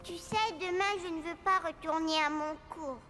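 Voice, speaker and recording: A performer voicing a curious, slightly timid four-year-old boy in a children's cartoon, with an earnest, excitable, childlike delivery. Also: very high-pitched, normal speed, soft background music. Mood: discouraged, pouting.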